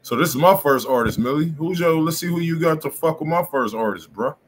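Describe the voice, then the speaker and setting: A man's voice: a little high, animated, a little fast. An American man, around his thirties, hosts a music review live stream with casual, slangy banter. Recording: noisy live-stream room audio.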